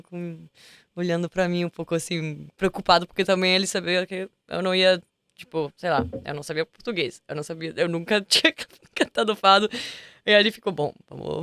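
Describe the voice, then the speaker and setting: Woman, smooth voice, chatty. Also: lowish voice, a bit bright, no room sound. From Italy. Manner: chatty, searches for words with many restarts. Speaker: guest singer. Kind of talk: casual interview chat. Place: music studio.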